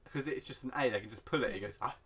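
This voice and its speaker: A man's voice: medium pitch, racing, a bit bright, husky. A man co-hosting a podcast, chatting casually, laughing often and slipping into silly voices. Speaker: podcast co-host. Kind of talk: casual chat with impressions.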